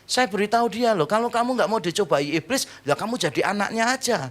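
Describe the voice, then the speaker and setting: A middle-aged man preaching a sermon as pastor, lively and joking, shifting between loud exclaims and slow, quiet emphasis. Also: sits high.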